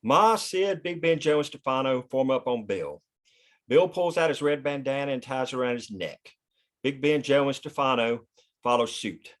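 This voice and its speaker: A man's voice: mid-range voice, lively intonation, normal speed. Man reading screenplay stage directions. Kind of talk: scripted screenplay narration at a table read.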